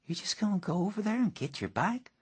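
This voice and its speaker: A man voicing an anxious, earnest young boy who asks uneasy questions in a raised, softer voice. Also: high voice, very animated, fast talker, slightly rough, pitched above the performer's own voice, exaggerated voice. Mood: worried.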